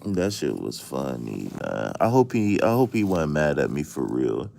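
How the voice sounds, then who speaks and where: A man's voice: very deep voice, sing-song, normal speed, creaky, warm tone, a little hiss or hum. A man streaming a casual chat as a tarot reader, telling stories with jokes and plenty of profane slang. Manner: joking, storytelling, profane slang.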